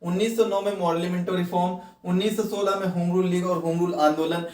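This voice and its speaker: A man's voice: high voice, fairly even intonation, fairly quick, darkish tone. A man teaching an exam-prep history class, lecturing with rhetorical questions and repeating key phrases for note-taking. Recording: roomy echo, distant microphone.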